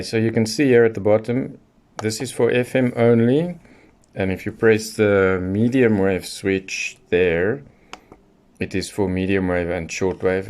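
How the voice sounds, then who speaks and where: A man giving a casual, unscripted demonstration as a hobby reviewer, thinking aloud in an unhurried way as he handles the item. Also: sits low, darkish tone.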